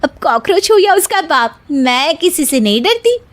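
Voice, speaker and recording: A woman's voice: sits high, sing-song, moderate pace. A woman voicing a whiny young daughter-in-law in a cartoon story, complaining as she talks.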